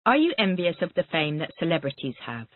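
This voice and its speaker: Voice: mid-range voice, very animated, no room sound. An English teacher running a Callan method drill, reading out vocabulary words and asking short repetitive questions. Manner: reads words then asks quick repetitive questions. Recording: tinny phone-like dry audio.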